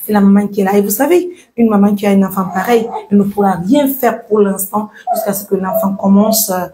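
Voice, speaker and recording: Woman, humanitarian vlogger; gentle coaxing delivery, mid-pitched, faint background noise. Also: fairly even intonation, brisk. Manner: soothing, coaxing, often dropping to a whisper. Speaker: humanitarian journalist. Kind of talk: emotional vlog update.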